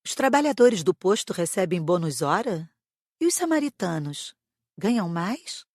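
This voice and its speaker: A woman's voice: fairly low pitch, very animated, normal speed, a little mellow, no echo, clean studio sound. Woman acting curious, lilting Brazilian spirit student. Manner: inquisitive. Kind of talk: dramatised audiobook dialogue.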